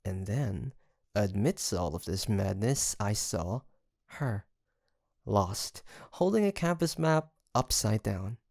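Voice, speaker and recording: Man acting as playful young roommate, slow and gravelly. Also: lowish voice, animated, a little mellow, no echo, studio quality, exaggerated voice. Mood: playful, mock-grand. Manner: teasing, chuckling, mock-grandiose storyteller. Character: sweet young male roommate, playful teasing best friend. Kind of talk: intimate roleplay audio acting, conversational.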